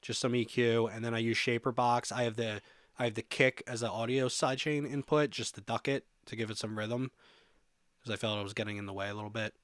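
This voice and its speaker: A man giving a casual software walkthrough as a music production tutorial presenter, thinking aloud informally as he demonstrates. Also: medium pitch, flat delivery, fairly quick, dry recording, clean studio sound.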